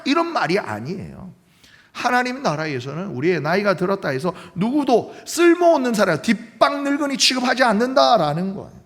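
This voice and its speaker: A male pastor preaching a sermon in church, animated and often putting questions to the congregation. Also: a little high. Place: church sanctuary. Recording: long reverb of a church sanctuary.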